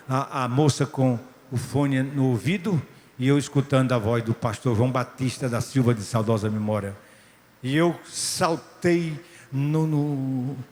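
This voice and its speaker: Storytelling preacher, echoing hall. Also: male voice, medium pitch, a little mellow. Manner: storytelling with restarts and rising exclamations. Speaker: pastor, former missionary. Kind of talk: testimony sermon. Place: large church hall. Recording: long church-hall reverb.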